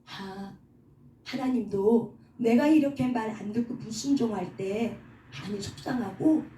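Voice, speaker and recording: A woman's voice: high voice, dark tone. A middle-aged woman preaching a sermon at a prayer house. She keeps asking the congregation rhetorical questions and has them repeat lines after her. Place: prayer hall indoors. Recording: echoey hall, voice from far off, faint background noise.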